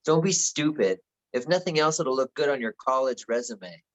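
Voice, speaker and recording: A man's voice: mid-range voice, expressive, normal speed, close to an everyday voice, poor audio. A man playing a jaded, dismissive teenage older brother in a screenplay table read, talking bluntly.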